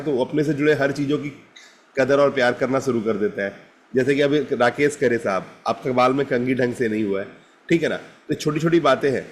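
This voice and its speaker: Man coaching a live group session. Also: mid-range voice. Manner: direct, addresses participants by name, repeats "ठीक है ना?". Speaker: self-help coach.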